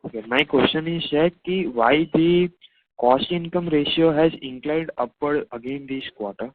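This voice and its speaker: A man's voice: fairly high pitch, moderate pace, a little hiss or hum. An Indian man asking questions as a caller, in a hesitant, repetitive way. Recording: dry, narrow phone line.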